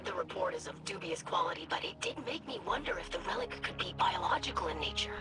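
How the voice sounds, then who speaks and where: A woman's voice: on the low side, expressive, fast talker, over loud music, natural voice. A woman voicing an earnest, curious young alien scribe in a video game, speaking formally and precisely. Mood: thoughtful. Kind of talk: video game cutscene acting.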